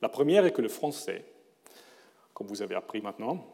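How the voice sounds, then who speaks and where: A middle-aged man, speaking a language that is not his native one, gives a formal lecture in a mellow, rounded voice. He reads carefully and corrects himself now and then. The sound carries the long reverb of a large lecture hall. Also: on the low side, very animated, vocal fry. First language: not French. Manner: careful, measured delivery with occasional self-corrections.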